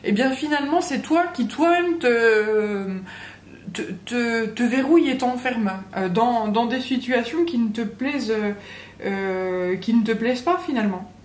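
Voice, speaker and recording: A woman's voice: fairly high pitch, measured pace. Hesitant woman doing tarot guidance, echoey room. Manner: hesitant, many fillers and restarts. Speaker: tarot reader giving channeled guidance. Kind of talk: casual spoken guidance to the viewer. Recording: echoey room with faint background hum.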